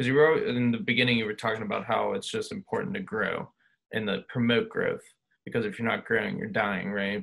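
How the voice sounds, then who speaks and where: The background stays quiet. A man speaks at a fairly quick pace. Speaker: podcast host. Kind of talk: casual interview. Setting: video call. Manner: casual, filler-heavy. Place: home room. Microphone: video call.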